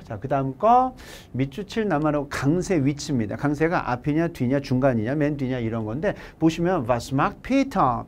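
A middle-aged man teaching German, going through exam questions in a lively, joking lecture that slips into casual speech. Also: mid-range voice.

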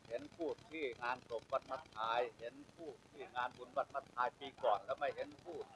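An older man, a ceremony MC, chatting casually and telling stories in an animated way. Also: medium pitch, a little fast, slightly rough, poor audio. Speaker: funeral and ceremony MC. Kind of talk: casual chat.

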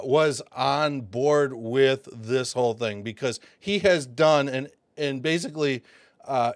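Excitable man hosting crypto commentary. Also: mid-range voice, no room sound, studio quality. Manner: excitable, talks to viewers as folks, many fillers. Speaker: crypto video host. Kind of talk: casual commentary.

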